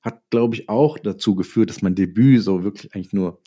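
In a relaxed interview, a writer who also makes audio dramas explains his craft in a fairly low, mellow voice, talking fairly quickly. He illustrates points with worked hypothetical examples and quotes he acts out.

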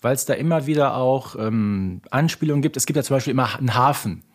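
A man's voice: mid-range voice, a little fast. A man from North Rhine-Westphalia in Germany, co-hosting a casual podcast and explaining things in careful detail. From North Rhine-Westphalia, Germany (Ruhr area). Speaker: podcast co-host. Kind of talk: casual conversational podcast discussion.

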